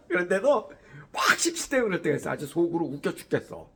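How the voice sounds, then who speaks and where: Animated middle-aged man, husky voice. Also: high voice, moderate pace. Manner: animated, acts out quoted voices, frequent "예" fillers. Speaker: host. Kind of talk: morning broadcast monologue.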